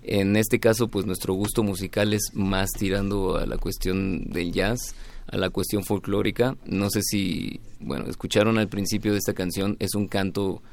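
A man's voice: low voice, fairly even intonation, moderate pace, creaky, a little mellow. A man speaking as an interviewed band leader, in casual, reflective talk, often searching for his words.

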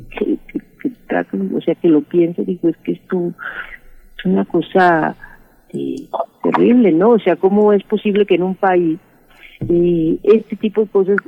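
A woman's voice: lowish voice, gravelly, dry recording. A woman journalist with a Mexican accent, answering in a radio interview and often stopping to search for her words. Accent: Mexican Spanish. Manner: halting, searching for words, many restarts. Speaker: journalist and former teacher. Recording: tinny phone-line sound, dry.

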